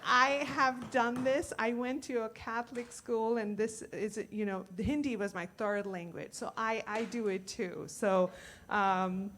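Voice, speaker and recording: Hesitant woman, slow speech. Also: on the high side, fairly even intonation, a bit bright, slight background noise. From India. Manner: hesitant, unused to public speaking. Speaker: congregation member introducing a hymn. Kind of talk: informal talk at a worship service. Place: church sanctuary.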